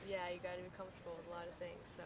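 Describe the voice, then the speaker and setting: Soft-spoken young woman outdoors. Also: fairly low pitch, monotone. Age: young adult. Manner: soft, measured answers with small laughs. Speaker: interviewee. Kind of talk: casual street interview. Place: outdoors on a campus lawn.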